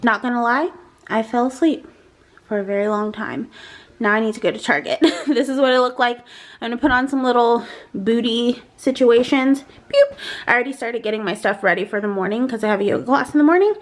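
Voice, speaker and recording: Here a woman with a slightly high voice talks a little fast, chatting informally to her camera and saying "like" a lot. Background noise is clearly audible.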